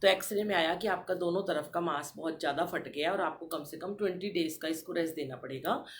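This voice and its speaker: A woman's voice: on the low side, a little fast, a little hiss or hum. Middle-aged woman telling a devotional story. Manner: animated, addresses listeners as sangat ji. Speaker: satsang podcast host.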